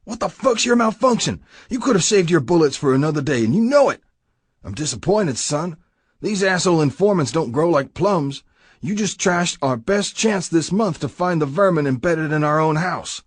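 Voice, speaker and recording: A man voicing an older male biker club president who threatens and commands, husky and menacing. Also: fairly high pitch, lively intonation, normal speed, no echo, pitched above the performer's own voice. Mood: furious.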